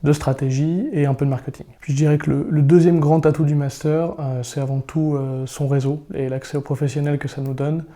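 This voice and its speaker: A man with a slightly raised pitch but a very dark, mellow tone. He speaks about his studies in a composed, articulate way. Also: little pitch movement, fairly quick, hardly any pauses. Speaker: strategy consultant. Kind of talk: testimonial interview.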